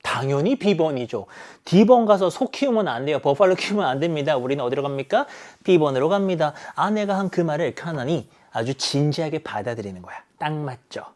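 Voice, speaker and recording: A man teaching an English exam lesson, animated, acting out characters' lines and asking rhetorical questions. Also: on the high side, moderate pace, few pauses. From South Korea. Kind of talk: exam explanation lecture.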